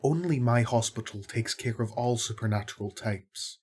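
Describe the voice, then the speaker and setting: Husky, breathy male voice actor as a reasonable archangel healer, measured, gently skeptical, fantasy audio drama. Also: mid-range voice, natural voice. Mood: reasoned, probing.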